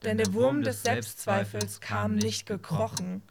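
A woman declaiming a literary audio play text in a deliberate, emphatic way. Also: medium pitch, vocal fry, over a noisy crowd.

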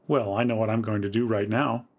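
A man's voice: lowish voice, steady tone, a little fast. A man reading the part of a stern, fretful woman in a dramatic story reading. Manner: stern, worried.

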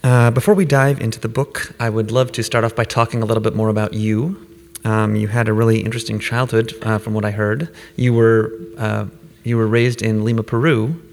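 A man's voice: on the low side, fairly even intonation, fairly quick, vocal fry. A man interviewing an author at a live event, hesitant with many fillers. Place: event hall before a live audience. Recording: live hall reverb.

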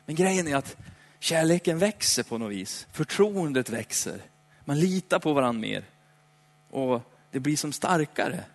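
Male preacher, conversational sermon, playful asides, dramatic slow emphasis, long hall reverb. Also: a little high, lively intonation. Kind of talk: lively sermon.

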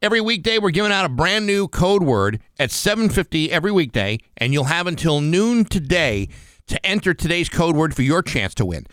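A man's voice: on the high side, very animated, a little fast, a bit bright, smooth, no echo. An American man hosting a radio show in a casual, sardonic conversational style, close on a studio microphone.

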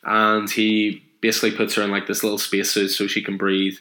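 A man's voice: lowish voice, completely flat delivery, brisk, bright, forceful tone. A man casually and enthusiastically retelling a comic book story, rambling with fillers. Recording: echoey room.

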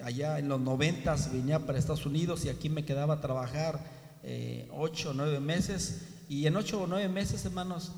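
A man preaching a sermon as a pastor, moving between quiet storytelling and shouted preaching. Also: a little high. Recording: echoey hall, roomy reverb.

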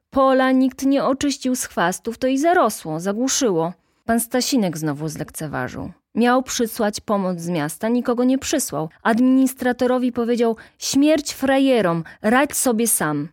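A woman reading an audiobook, voicing a brisk middle-aged woman activist who tells her stories in a lively, indignant way. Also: on the high side, no echo, studio quality.

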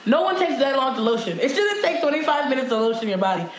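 A woman from Nigeria co-hosting a casual chat, animated and joking in quick banter. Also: high voice. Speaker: co-host. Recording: roomy echo, faint noise.

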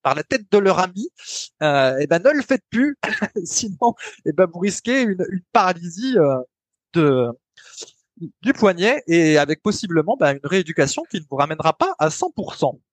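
A man's voice: high voice, sing-song, moderate pace, dry recording. A man co-hosting a podcast, explaining in a casual chatty way with many hesitant fillers. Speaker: podcast co-host.

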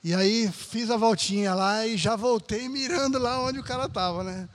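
A man's voice: high-pitched, normal speed. A man preaching a conversational sermon as pastor, often tagging his sentences with questions.

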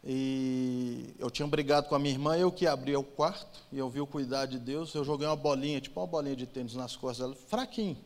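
A man's voice: medium pitch, quick pace, hardly any pauses. Emotional testimony, man in a reverberant hall. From Brazil. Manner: emotional storytelling, swings from loud to hushed. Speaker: church testimony speaker. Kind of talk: personal testimony in church.

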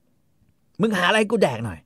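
A man's voice: sits high, wildly swooping pitch, moderate pace, slightly rough, no echo, studio quality, pitched above the performer's own voice, exaggerated voice. Crude bored husband, as a man puts him on. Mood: grudging. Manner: loud, crude and dismissive. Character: lazy, brutish young husband, bored and cursing.

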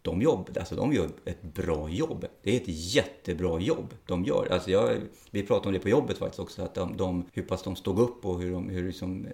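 A man's voice: deep voice, creaky, hardly any pauses, a little mellow. A middle-aged man, a police officer, speaking frankly and plainly in an interview, with some swearing. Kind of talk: interview conversation.

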